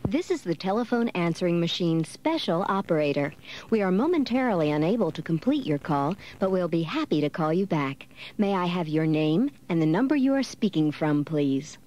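A woman's voice: fairly low pitch, big pitch swings, moderate pace, darkish tone, lo-fi sound. A woman speaking a formal, polite, scripted answering machine greeting, recorded as a voicemail message.

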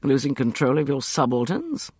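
A man voicing a suave, sardonic gentleman schemer who talks in a slow, irritating drawl. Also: mid-range voice, big pitch swings, slightly rough, no room sound, studio quality. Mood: smooth.

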